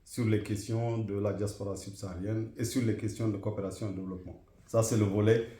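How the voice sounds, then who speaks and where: A middle-aged man from Guinea, answering interview questions in a measured, formal way with frequent hesitations. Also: on the low side, steady tone, mellow, reverberant. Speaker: interview guest, association president.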